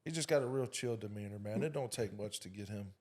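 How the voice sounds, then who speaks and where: A man's voice: on the low side, fast, a little mellow. A man speaking as a guest in a casual podcast interview, easygoing and talking in loose runs. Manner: laid-back, talks in loose runs with "you know" and "man". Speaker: father of a young boxer, guest.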